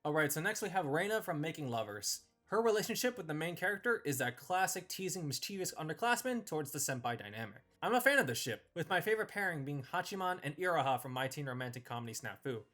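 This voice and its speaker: A man's voice: fairly high pitch, very animated, quick pace, few pauses, a bit bright, faint music behind. A man hosting a casual ranked-list review, giving opinionated commentary on characters.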